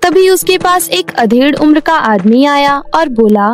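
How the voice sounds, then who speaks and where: High-voiced woman narrating a story. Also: measured pace, faint music behind. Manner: gentle, even storytelling.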